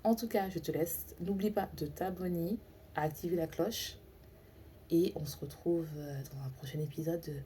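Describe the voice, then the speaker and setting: A woman's voice: fairly low pitch, moderate pace, warm tone, slight background noise. A woman mindset coach in a casual vlog, chatting in a confiding way and talking straight to the viewer with plenty of filler phrases. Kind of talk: casual self-help vlog to camera.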